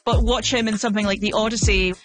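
A woman's voice: mid-range voice, fairly even intonation, fast. Woman critic over prominent music. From Scotland. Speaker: pop culture critic. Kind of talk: film commentary. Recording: music under the voice.

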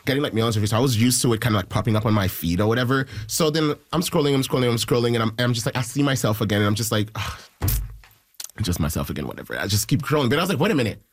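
A man from Haiti, a musician guest, telling stories in an excitable, animated way and jumping into high quoted voices. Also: rapid-fire, a little hiss or hum. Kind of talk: casual interview storytelling.

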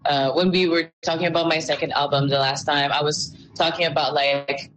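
A woman's voice: sits low, steady tone, fairly quick, fairly bright tone, low-quality recording. A woman musician talking enthusiastically in a casual interview at a festival, rambling with restarts. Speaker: musician guest. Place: outdoor festival, in a small shelter.

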